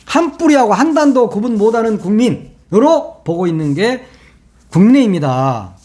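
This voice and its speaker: A man's voice: high-pitched, big pitch swings, normal speed, warm tone. A man hosting his own political commentary channel, talking casually in a mocking, sarcastic way and laughing at his own jokes.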